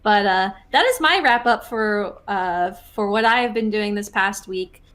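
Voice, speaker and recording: A woman's voice: mid-range voice, unhurried, fairly bright tone. Chatty woman podcast host. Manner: chatty, heavy on fillers and restarts. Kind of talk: casual chat.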